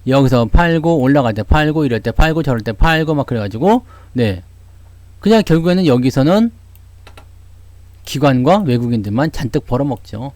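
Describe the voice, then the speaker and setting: A man's voice: mid-range voice, expressive, normal speed, darkish tone, no room sound. A man hosting a stock market channel, talking viewers through the market and asking and answering his own rhetorical questions.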